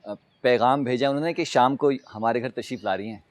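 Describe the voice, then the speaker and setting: A man's voice: mid-range voice, fairly quick, lightly acted. An actor playing a respectful, hesitant male servant, in Pakistani Urdu. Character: deferential male household servant. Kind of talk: TV drama acting.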